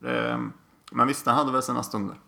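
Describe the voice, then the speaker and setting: A man's voice: medium pitch, big pitch swings, vocal fry, pushed and bright. A young man co-hosting a podcast from a living room, making dry, laid-back remarks in casual chat. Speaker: podcast co-host.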